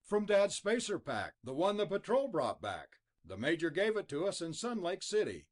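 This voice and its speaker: A man's voice: high voice, big pitch swings, moderate pace, pitched above the performer's own voice. A man voicing an earnest young man, the son of a missing miner.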